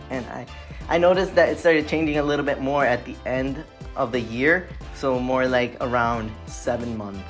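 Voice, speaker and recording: A young trans man talking casually and reflectively in a vlog update, with many "like" and "um" fillers. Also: medium pitch. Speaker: vlogger.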